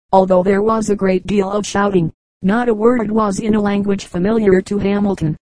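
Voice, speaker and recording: A woman reading a novel aloud in a steady, measured narration. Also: medium pitch, dry recording, poor audio. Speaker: audiobook reader. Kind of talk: scripted narration.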